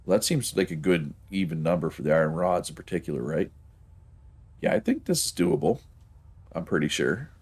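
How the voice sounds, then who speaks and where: A man's voice: low voice, very animated, brisk, darkish tone, husky. A man streaming a factory-building game, thinking aloud casually with a stuffed-up nose and frequent chuckles. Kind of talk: casual gameplay commentary.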